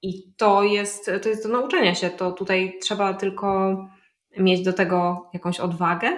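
A woman's voice: mid-range voice, fairly even intonation, measured pace, roomy sound. A woman guest in a casual interview who explains language learning at length, thinking aloud with fillers and restarts. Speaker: polyglot guest.

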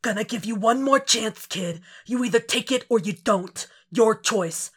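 A woman's voice: a little high, measured pace, breathy edge, pitched above the performer's own voice. A woman voicing a grim, impatient male vigilante in a story reading, with terse and threatening delivery. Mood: menacing.

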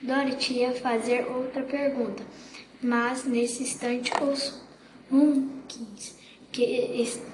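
A woman reading a children's book aloud, halting often with slips and restarts, in an echoey room with background noise. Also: fairly high pitch.

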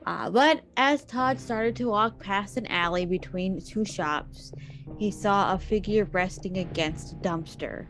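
A woman's voice: mid-range voice, measured pace, a bit bright, faint music behind. A woman hosting a podcast, telling a story in a casual way and breaking off for chatty personal asides. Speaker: podcast host.

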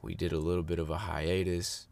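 A man's voice: low-pitched, little pitch movement, a little fast, gravelly, a little mellow, no echo. A man hosting a fitness podcast in a casual, rambling monologue, sounding a bit congested. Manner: upbeat, rambling with fillers and restarts.

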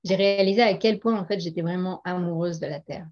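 A woman's voice: lowish voice, quick pace, a little mellow. A middle-aged woman speaking as a guest in a casual interview, earnest and hesitant, with frequent laughs. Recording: dull lo-fi audio.

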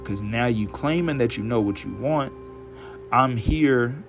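A male podcast host talking alone in a casual, chatty way, blunt and profane, his voice hoarse and raspy from a dry throat. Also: mid-range voice, unhurried, over music. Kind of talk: casual solo podcast monologue.

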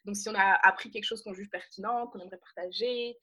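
A young French woman co-hosts a podcast, chatting casually and explaining things with plenty of fillers and slang. Her medium-pitched voice is steady in tone but fast, pushed and bright, with a slight roughness.

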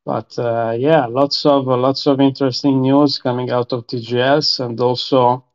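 A man's voice: medium pitch, flat delivery, unhurried. A man hosting a casual gaming chat, moving the talk along with prompting questions. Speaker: podcast host. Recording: dull lo-fi sound.

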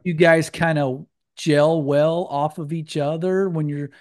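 A man's voice: fairly high pitch, steady tone, unhurried, darkish tone. A man hosting a podcast, affirming and conversational as he responds to his guest. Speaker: podcast host. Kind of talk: casual interview.

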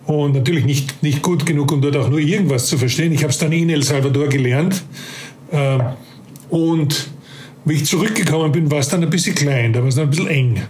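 Speaking fairly quickly in a slightly mellow voice on the high side, a former police officer in his fifties gives a casual interview. He has a Carinthian Austrian German accent and a reflective manner, frequently repeating words as he looks for the right ones. Slight background noise is present.

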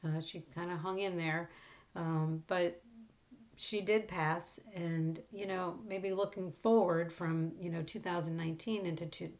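A raspy middle-aged woman hosts a faith podcast, talking in a relaxed, halting way with lots of "uh" and "you know". Her voice sits a little low and has a gravelly edge. The recording sounds somewhat dull and lo-fi. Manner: halting, many fillers and restarts. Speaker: podcast host. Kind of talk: casual devotional podcast chat. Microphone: on camera, close mic.

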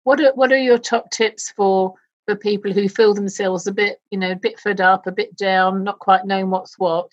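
A woman's voice: mid-range voice, steady tone, normal speed, highs cut off. A woman hosting an interview, asking chatty questions and often repeating her opening words. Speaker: interviewer, host. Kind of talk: radio interview.

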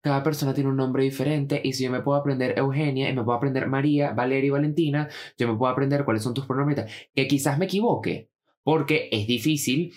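A man talks fast in a loose podcast chat. He explains with earnest emphasis, patient and steady, pressing his points home. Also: medium pitch. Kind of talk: casual chat.

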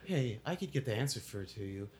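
A man's voice: mid-range voice, lively intonation, brisk, a little mellow, natural voice. A man putting on the voice of a smart speaker assistant, sounding like a machine processing commands, in an improvised comedy skit. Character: male smart speaker assistant, flat and ominous.

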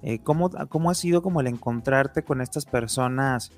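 A man's voice: medium pitch, moderate pace, soft background music. A man from Mexico hosting a radio podcast interview, loose and chatty, full of fillers and restarts. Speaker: podcast host.

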